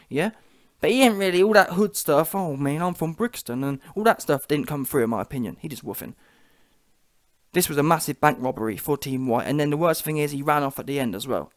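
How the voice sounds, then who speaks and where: Higher-voiced London man giving emphatic boxing opinions. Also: no echo, clean studio sound. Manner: emphatic, slangy, repeats points for effect. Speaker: boxing commentator giving fight reaction. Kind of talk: opinionated, informal reaction monologue.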